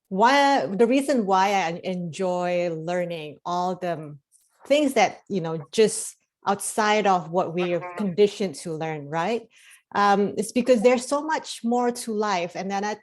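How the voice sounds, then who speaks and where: A middle-aged woman from Indonesia, a life coach guest in a casual interview, talking in a rambling way with many fillers and restarts. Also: lowish voice.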